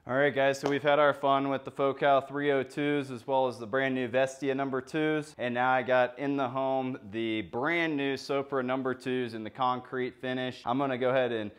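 A man's voice: mid-range voice, steady tone, moderate pace, hardly any pauses, clean tone. A young adult man presenting an unboxing in a casual, informal and enthusiastic way. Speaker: product presenter.

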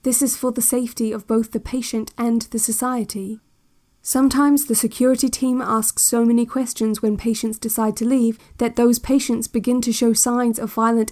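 A woman playing a calm, controlling institute narrator on a relaxation cassette, speaking in a measured and quietly menacing way. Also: fairly high pitch, lightly acted. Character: soft-spoken, controlling female institute narrator on a relaxation tape. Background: music.

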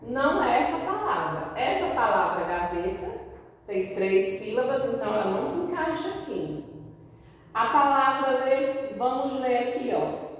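A woman's voice: fairly high pitch, very animated, a little slow. A woman teaching young children in a recorded lesson, patiently sounding out words syllable by syllable and asking the pupils questions. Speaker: primary school teacher. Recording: echoey room, voice far from mic.

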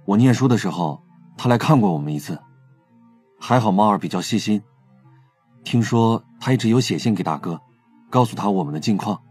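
An actor in a Chinese audio drama playing a candid, protective younger brother who confides hesitantly and earnestly. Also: male voice, on the low side, expressive, fairly quick, pauses often, a little mellow, breathy edge, faint music behind. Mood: earnest, subdued.

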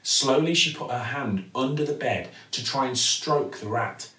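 A British man in his forties reading a children's bedtime story expressively, with theatrical pauses and emphasis. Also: medium pitch, expressive, sharp tone. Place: living room at home, indoors. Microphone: camera or phone a few feet away. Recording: roomy, mic at some distance.

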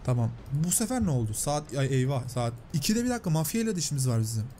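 A man doing excitable let's-play commentary, reading out and paraphrasing game dialogue in a chatty way. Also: a little high, fast, slight background noise. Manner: chatty, excitable, translating and paraphrasing on-screen lines. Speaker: gameplay commentator.

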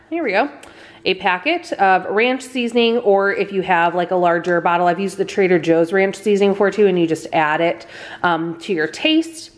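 A woman in her thirties talks through her groceries in a relaxed, chatty way, sprinkling in little fillers as she goes. Her voice sits at an ordinary middle pitch, and she is recorded in a home kitchen. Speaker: vlogger. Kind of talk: casual grocery haul narration.

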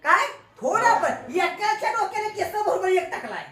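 A woman teaching grammar to a class of children quizzes them with call-and-response and teases them in a playful way; she has a Marathi accent. Her voice is very high, very animated and fairly bright, at a moderate pace. The recording carries the echo of a classroom with children's voices.

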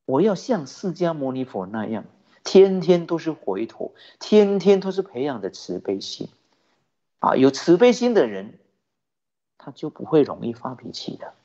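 Lively man preaching, husky, lo-fi. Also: a little high, normal speed. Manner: lively storytelling, rhetorical questions, chuckling. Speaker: Buddhist teacher. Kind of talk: sermon. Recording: dull lo-fi recording.

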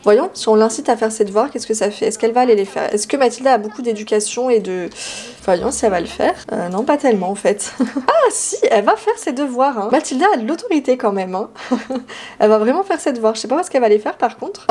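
Une jeune femme qui commente un jeu vidéo sur un ton de discussion détendue, bavarde, avec des rires et des cris aigus d'enthousiasme. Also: female voice. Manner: chatty and giggly, with excited high squeals. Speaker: gaming YouTuber. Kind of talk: casual Let's Play commentary.

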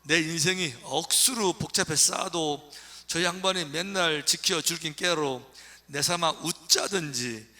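A man voicing a rough-spoken man with a Gyeongsang dialect, reciting a psalm bluntly and emphatically. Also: fairly high pitch, measured pace, bright, forceful tone. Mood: folksy.

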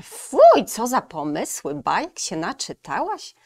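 A woman's voice: fairly high pitch, sing-song, measured pace, pitched above the performer's own voice. A woman voicing a timid, easily frightened male wolf in a children's storybook reading, anxious and hesitant. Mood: fearful.

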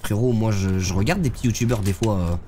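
A man's voice: on the low side, fast, warm tone, a little hiss or hum. Slangy young man streaming, stuffy cold. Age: young adult. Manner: slangy, loose, talks to chat while playing. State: congested with a head cold. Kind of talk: live gameplay streaming, chatting with viewers. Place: streaming room, seated in a gaming chair.

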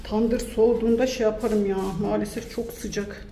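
A woman chats easily to her viewers outdoors in a farmyard, her voice sitting in a middle register. When she turns to her hens, she coos at them fondly in a higher voice. Faint wind and clucking chickens hang behind her. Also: flat delivery, normal speed, dark tone. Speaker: village life vlogger. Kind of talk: casual vlog chat to viewers.

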